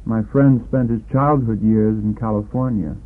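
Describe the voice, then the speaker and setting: A man's voice: fairly low pitch, steady tone, normal speed. A man reading scripted drill responses on a language course, sentence by sentence with care. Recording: tinny, phone-like old lesson tape.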